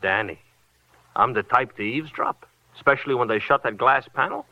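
An actor playing a chatty, hospitable Jewish cab driver with a New York accent in 1940s radio style, expressive and homely. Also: male voice, medium pitch, a little fast, lightly acted. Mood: confiding. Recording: dull vintage 1940s radio recording.

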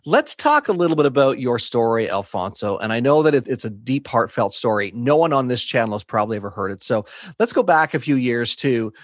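A man's voice: medium pitch, very animated, brisk, dry recording, clean studio sound. A man hosting a podcast, introducing his guest in a friendly way and explaining the show. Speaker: podcast host. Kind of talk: interview hosting.

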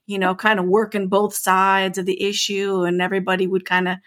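A woman's voice: mid-range voice, level tone, brisk, a bit bright. A woman co-hosting a podcast in casual chat, asking curious questions and encouraging her co-host.

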